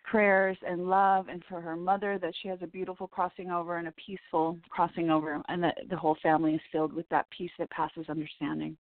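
A woman hosting a spiritual radio show, her voice scratchy and hoarse, chatting in a rambling, heartfelt way with little laughs. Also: fairly low pitch, dry recording. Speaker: radio show host and psychic reader. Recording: tinny phone line, dry.

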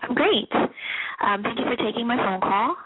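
A woman's voice: a little high, lively intonation, normal speed, a little hiss or hum. A woman calling in to a show, speaking casually, politely and a bit hesitantly over the telephone. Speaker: caller. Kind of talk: casual phone conversation. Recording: narrow telephone line.

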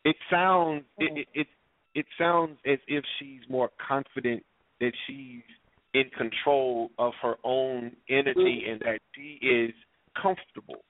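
A man's voice: medium pitch, fairly even intonation, a little slow, no room sound, phone-quality sound. A man on a talk radio show, explaining his views at length with worked examples in a casual way.

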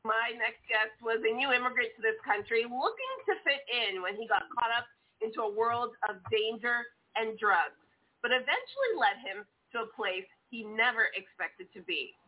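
A woman's voice: on the high side, lively intonation, moderate pace. A woman interviewing a guest, guiding him along with short prompting questions. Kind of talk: television interview. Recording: tinny phone-like sound.

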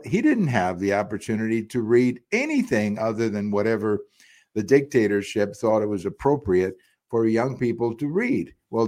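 Middle-aged man, mid-pitched voice, solo political podcast host, indignant, repeats himself, lots of uh's. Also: darkish tone. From Cuba. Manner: indignant, repetitive, many fillers and restarts. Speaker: podcast commentator. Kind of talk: political commentary monologue.

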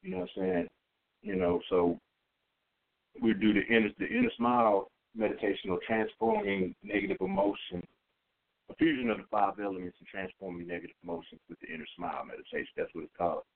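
A man's voice: on the low side, huge pitch swings, fairly quick, creaky. A man teaching a guided meditation in an informal, rambling, colloquial way, in a dull lo-fi recording. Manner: rambling, colloquial, frequent tag questions. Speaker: meditation teacher leading a class. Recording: dull lo-fi audio.

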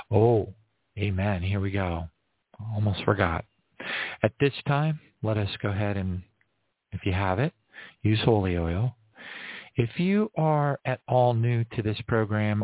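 A man hosting an online prayer service, talking in a rambling, halting way with many fillers and restarts and frequent little bursts of praise. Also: on the low side, no room sound. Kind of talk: casual unscripted church broadcast talk. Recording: tinny phone-like audio, soft music behind. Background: faint music.

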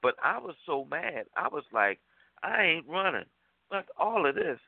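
A man co-hosting a call-in talk show, telling a personal story in a lively, colloquial way and acting out the lines he quotes. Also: on the high side, moderate pace, gravelly, no room sound. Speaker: radio talk show co-host. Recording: tinny phone-line sound, dry.

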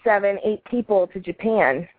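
A woman's voice: medium pitch, expressive, moderate pace, dry recording. A woman chatting casually and bluntly as a phone-in co-host. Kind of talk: casual chat. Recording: dry tinny phone line.

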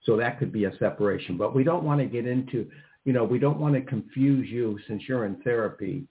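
A man's voice: mid-range voice, a little fast. A man hosting a psychic call-in radio show, giving rambling, cautious advice full of fillers. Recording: tinny phone-like line.

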